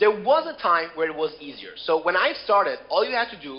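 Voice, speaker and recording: With noticeable background noise present, the man delivers his words fairly quickly. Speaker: SEO and WordPress expert. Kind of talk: interview.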